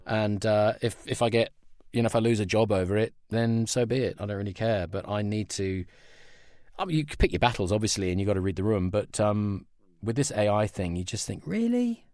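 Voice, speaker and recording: A man's voice: on the low side, steady tone, brisk, a little mellow, no room sound, studio quality. A middle-aged man, a voice actor, talking candidly and outspokenly as a guest in a conversational interview.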